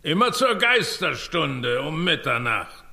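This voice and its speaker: A scheming property tycoon from a children's radio play, with a high, sharp voice that swoops up and down. He draws out his words in oily, theatrical gloating. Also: big pitch swings, vocal fry, exaggerated voice. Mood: flattering, scheming. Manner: theatrical, wheedling, drawn-out gloating. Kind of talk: children's audio drama acting.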